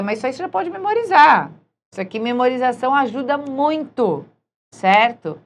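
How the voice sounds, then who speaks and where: Slow, patient woman teaching. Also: mid-range voice, a bit bright. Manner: patient, checks in with frequent "certo?". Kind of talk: recorded grammar lesson.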